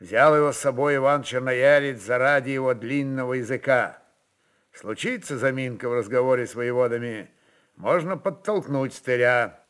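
A man narrating a literary story in an expressive, dramatic reading style. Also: mid-range voice, normal speed, clear, resonant tone.

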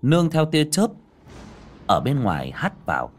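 A man's voice: medium pitch, huge pitch swings, a little slow. A man narrating a ghost story with dramatic, swooping delivery.

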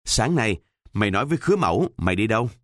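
A cocky, streetwise teenage boy who mocks his friend in slang, as a man voices him. The tone is low and dry, read close to the mic. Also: very animated, quick pace, a bit bright, dry recording. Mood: teasing. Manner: mocking, full of slang.

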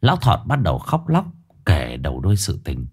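Guy reading a spooky village tale, really animated pitch. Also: brisk, slightly rough, soft background music. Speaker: storyteller. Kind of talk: scripted ghost story narration.

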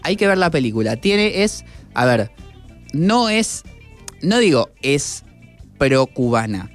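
A man's voice: a little high, slow pace. Argentine guy on the radio, chill and chatty, bit of music under him. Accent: Argentine Spanish. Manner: relaxed, chatty, recommends things emphatically. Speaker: radio host. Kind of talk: casual radio chat.

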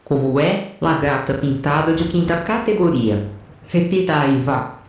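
A woman's voice: low-pitched, animated, unhurried, darkish tone. An actress playing a defiant, foul-mouthed female rebel soldier, brash and insistent, in an audio drama. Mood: defiant, urgent. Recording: very echoey, slightly distant.

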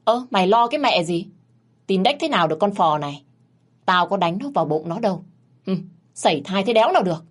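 A woman voicing a fierce, foul-mouthed young woman who shouts coarse curses. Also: medium pitch, lively intonation, a little fast, lightly acted. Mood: furious.

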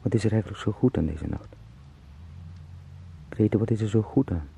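An actor playing a weary, anguished man turned beetle in an intimate radio drama, speaking haltingly and broodingly. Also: on the low side, lively intonation, gravelly, dark tone, a little hiss or hum.

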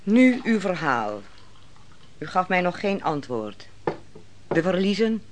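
A stately, expressive female judge. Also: lowish voice, noisy background. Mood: probing, commanding. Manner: stately, formal, deliberate. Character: authoritative female judge and leader, composed and probing. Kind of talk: Dutch radio play acting.

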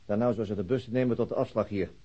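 Persistent police inspector, terse, fast, husky, radio drama interrogation, dull recording. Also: male voice, fairly low pitch, mellow. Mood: matter-of-fact. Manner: probing, terse, insistent. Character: persistent, dry police chief inspector questioning a suspect. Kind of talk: naturalistic Dutch radio drama acting.

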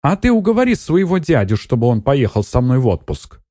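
Casting: a ruthless scheming woman, cold and bossy, read by a man, raised higher and harsh, dry close sound. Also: sing-song, a little fast, mellow, no echo. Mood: scornful. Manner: harsh, commanding.

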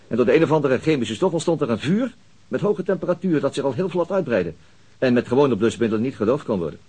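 A husky-voiced police detective in a radio play. He talks quickly but patiently, earnest and thoughtful, feeling his way through explanations with small hesitations. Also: mid-range voice, a little mellow. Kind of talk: Dutch radio drama dialogue.

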